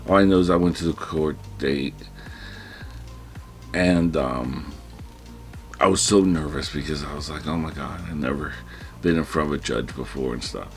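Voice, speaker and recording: A man's voice: a bass voice, normal speed, long pauses, soft background music. A man vlogging a personal story in casual, rambling storytelling, breathing heavily. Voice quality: heavy breathing. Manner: rambling, restarts, quotes himself in panicked whispers.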